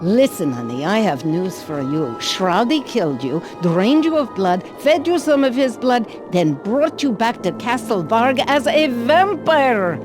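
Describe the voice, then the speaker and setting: A woman's voice: on the high side, very animated, unhurried, few pauses. A woman voicing a wry, bossy gypsy fortune teller in a video game, with a theatrical, knowing manner. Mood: blunt, sardonic. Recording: music behind the voice. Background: music.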